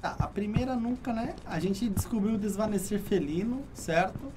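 A man's voice: high-pitched, normal speed, background noise. A man with a Brazilian Portuguese accent giving casual let's-play commentary, murmuring a running checklist of what he sees and talking to his chat. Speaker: gaming streamer.

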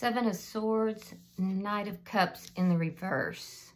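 This is a relaxed, off-the-cuff tarot reading from the channel's host, who talks right to the listener. She has a slightly hoarse, medium-pitched voice and speaks slowly.

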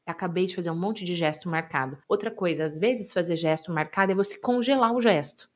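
A woman with a Brazilian Portuguese accent, coaching public speaking to camera in an emphatic, deliberate way that repeats key phrases. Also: lowish voice. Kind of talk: presenter-style teaching to camera. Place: indoors, filmed talking to camera.

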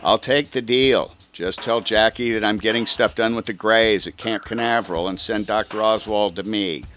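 A man's voice: fairly low pitch, normal speed, fairly bright tone, soft background music, lightly acted. A man voicing a whining, sullen president who gives in, in an audiobook. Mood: sullen resignation.

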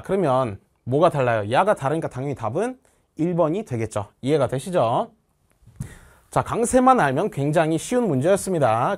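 A man with a slightly high, very animated voice walks students through an exam in a lecture. He sounds out Russian words slowly and precisely, then checks in with rhetorical questions. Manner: slow, careful Russian pronunciation, asks rhetorical questions. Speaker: Russian language teacher.

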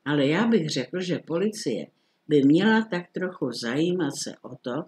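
A man voicing a nervous middle-aged townsman who speaks in an excited, trembling, insistent way. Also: a little high, natural voice. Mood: agitated.

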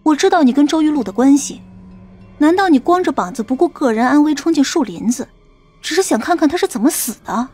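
A woman playing a stern, sharp-tongued female police captain in an audiobook, questioning a suspect in a cold, accusing manner. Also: sits high, lively intonation, a little fast. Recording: faint music bed under the voice.

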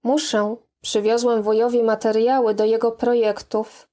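A woman's voice: a little high, flat delivery, moderate pace, dark tone, lightly acted. A woman reading the part of a hesitant, evasive young man who speaks in a soothing, careful way. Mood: reserved.

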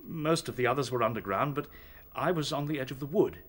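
Shaken rabbit captain, halting. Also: male voice, medium pitch, expressive, fairly bright tone, husky. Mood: grave. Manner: halting, searching for words. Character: battle-worn male rabbit captain, shaken, recounting horrors. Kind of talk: radio drama dialogue.

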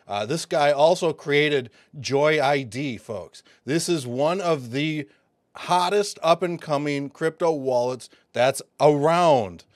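A man hosting a casual crypto commentary video, excitable and chatty, with lots of fillers, calling his viewers folks. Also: a little high, slow, no room sound, studio quality.

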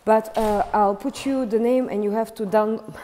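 A woman's voice: on the high side, fairly even intonation, moderate pace, dark tone, a little hiss or hum. A young woman with a Russian accent chatting candidly and playfully in a casual vlog, filming on a phone held at arm's length while walking outdoors. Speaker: vlogger. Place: home, gym, then outdoors on a city street.

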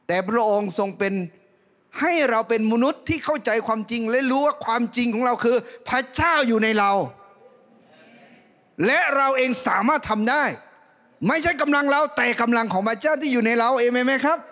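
Speaking at a normal pace, a middle-aged pastor delivers a sermon on a church stage with a handheld microphone. His animated delivery swings from loud, climbing calls to quiet, low asides.

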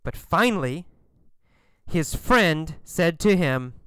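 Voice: mid-range voice, expressive, takes it slowly, a bit bright, smooth, no room sound, studio quality. A teacher telling a story as a question-and-answer lesson, drilling each point with repeated questions and emphatic answers. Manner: emphatic, exaggerated delivery. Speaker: English teacher.

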